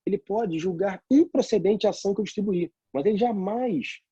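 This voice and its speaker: A man's voice: sits high, a little fast, warm tone, husky, dry recording, muffled recording. A man with a Brazilian Portuguese accent, a lawyer and law lecturer, telling a courtroom anecdote with rhetorical questions. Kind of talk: storytelling lecture.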